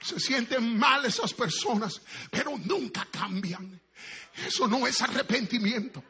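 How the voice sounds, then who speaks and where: A middle-aged man preaching a fiery sermon, swinging from shouted peaks to low, measured speech. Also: animated.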